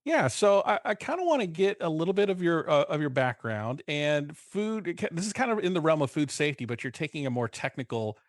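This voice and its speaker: Halting podcast host, dry sound. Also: male voice, a little high, sing-song, no room sound. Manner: loose, halting, lots of restarts. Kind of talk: podcast interview hosting.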